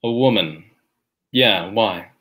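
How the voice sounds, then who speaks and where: A man's voice: fairly low pitch, slow, a bit bright. A man reading a friendly, easygoing trans woman customer in a light, polite tone on a video call.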